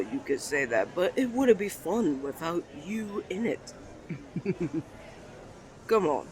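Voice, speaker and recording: Man voicing flirtatious twin brother, smooth, self-assured, teasing, courtly endearments, romantic audio roleplay, light background noise. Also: a little high, poor audio. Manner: suave, drawn-out, playfully formal endearments. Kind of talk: romantic ASMR roleplay acting.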